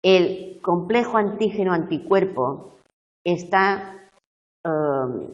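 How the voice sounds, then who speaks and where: A woman university tutor going over exam questions slowly, checking whether her students follow. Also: on the low side, expressive, distant mic, dull audio.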